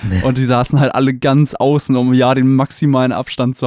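A man's dark, mellow tone at medium pitch, with a dry, close sound and no echo. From northern Germany, village near Hamburg. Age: 20s. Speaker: stand-up comedian. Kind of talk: casual chat. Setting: in-person recording at host's home.

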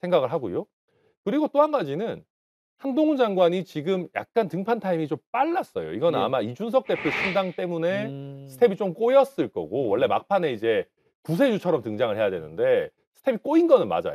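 In a dry sound with no echo, a man talks at a fairly quick pace. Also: quiet background. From South Korea. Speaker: politician. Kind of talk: political talk show debate. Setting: studio. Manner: humorous, animated. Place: studio. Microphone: lapel.

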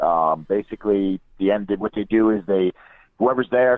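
Speaking at a very fast pace, a man with a New York accent keeps his intonation fairly even. His pitch is fairly low. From Brooklyn, New York. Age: 20s. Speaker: professional wrestler. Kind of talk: casual interview.

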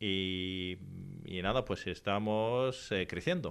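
This man talks at a very slow pace. His fairly low pitch shows ordinary variation. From Ukraine. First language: Ukrainian or Russian (speaking Spanish). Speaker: real estate agent; interview guest. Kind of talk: interview. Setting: studio. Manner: halting. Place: studio. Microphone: studio mic.

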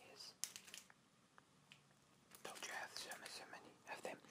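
At a moderate pace, a man is talking. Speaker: ASMR youtuber. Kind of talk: ASMR whispered rambling talk to camera. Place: home room. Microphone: headset.

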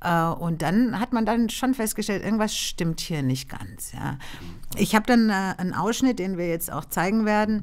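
Against a quiet background, a woman speaks at a moderate pace. Her intonation is lively. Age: 50s. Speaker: interviewer, journalist. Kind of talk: interview conversation. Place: studio. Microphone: studio mic.

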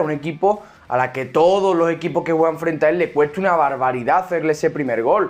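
A high-pitched man speaking at a very fast pace. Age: young (just turned 18). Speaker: football analyst youtuber. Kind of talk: match analysis monologue. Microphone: lapel.

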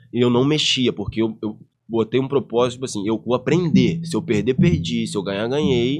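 At a fairly quick pace, a medium-pitched man speaks with vocal fry and lively intonation against a quiet background. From Rio de Janeiro, Brazil (Duque de Caxias); Rio de Janeiro, Brazil. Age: 30s. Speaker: former footballer turned investment advisor; guest. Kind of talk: casual interview. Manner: hesitant, frequent fillers and repetitions. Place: studio. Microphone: studio mic.

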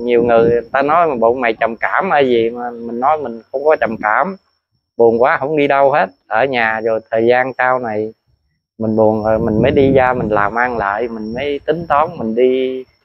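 A man talks at a fairly slow pace with ordinary pitch variation. The background is quiet and the sound is dry with no echo. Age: 50s. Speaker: divorced man seeking a partner; interviewee. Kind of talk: interview. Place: garden.

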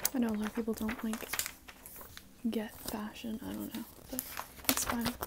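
Loud background noise fills the clip. A soft-spoken woman whispers at a moderate pace. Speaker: ASMR creator. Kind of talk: ASMR whisper and soft-spoken talk. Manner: whispered, soft-spoken. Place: home room. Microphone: earbuds.

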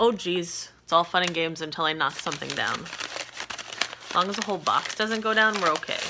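An American accent at a moderate pace with ordinary pitch variation and hardly any pauses, over noticeable background noise. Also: woman, fairly low pitch for a woman. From Oregon, US (Portland area). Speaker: online reseller and video blogger; reseller vlogger. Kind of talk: casual unboxing vlog. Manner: rambling, chatty with fillers. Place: home room. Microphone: phone near.

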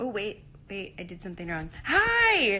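With a General American accent, a woman speaks at a moderate pace and medium pitch in an animated tone. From California. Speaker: TV actress. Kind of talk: casual chat. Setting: livestream video call. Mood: cheerful and relaxed. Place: home room. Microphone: phone near.

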